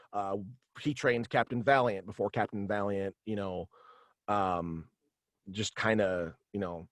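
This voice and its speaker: A man's voice: lowish voice, no echo. Young guy chatting on a video call, rambly, says like a lot, close dry sound. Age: young adult. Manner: rambling, frequent "like". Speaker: guest, voice actor and writer. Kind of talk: casual interview chat. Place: small room at home, on video call.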